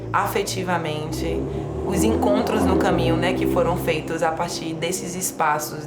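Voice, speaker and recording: A woman from Salvador, a writer and teacher, telling her story in a reflective, poetic, measured way. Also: low-pitched. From Salvador, Bahia, Brazil. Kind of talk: personal reflective narration. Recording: voice over clear music.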